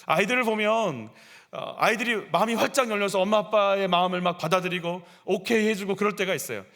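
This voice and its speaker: A male pastor preaching a sermon in a church, animated and acting out scenes as he goes. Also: sits high, fast. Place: church sanctuary.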